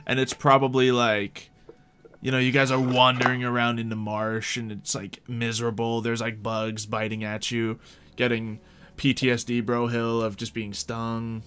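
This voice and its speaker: A man acting as game master, improvising tabletop roleplay narration in an informal, halting, conversational way. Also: mid-range voice, little pitch movement, very noisy.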